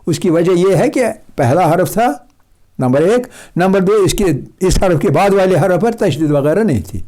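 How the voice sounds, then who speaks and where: A man's voice: sits high, mellow. A man teaching Quran pronunciation, patiently repeating example words and drilling his students.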